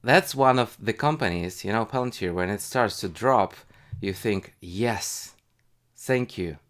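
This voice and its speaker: Low-pitched man, halting casual livestream talk. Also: fairly bright tone. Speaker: livestream host, retail investor. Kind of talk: casual live stream commentary.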